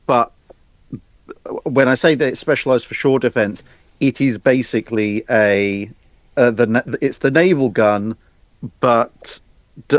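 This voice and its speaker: A man on a discussion panel explaining in a casual, expert way, halting and correcting himself as he builds each point. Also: mid-range voice, no echo. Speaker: panelist on a live history discussion.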